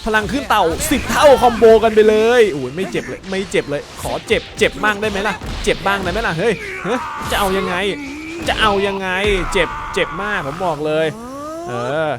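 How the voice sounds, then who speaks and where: A man delivers high-pitched, fairly quick Let's Play commentary on a fighting game, animatedly yelling and repeating words during each fight. He has a slight sore throat, and game music plays loudly in the background.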